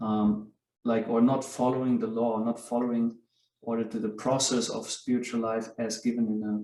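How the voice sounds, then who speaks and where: In a dark, mellow tone of medium pitch, a man speaks at a moderate pace. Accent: non-native. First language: not English. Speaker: religious teacher. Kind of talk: lecture. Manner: halting, many fillers.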